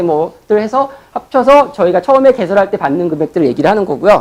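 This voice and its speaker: A man's high voice at a fairly quick pace. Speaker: franchise consultant lecturer. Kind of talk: lecture. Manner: fast.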